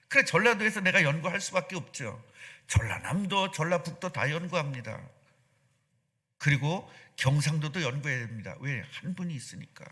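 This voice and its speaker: Middle-aged male pastor, sermon, bright forceful tone, quizzes the pews. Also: a little high. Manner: animated, asks the congregation questions. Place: church sanctuary.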